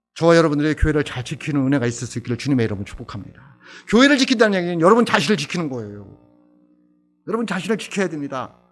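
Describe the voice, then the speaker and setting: A man speaks very fast in a fairly high voice with very wide pitch swings and big swings in loudness. Music plays in the background. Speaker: pastor. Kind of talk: sermon.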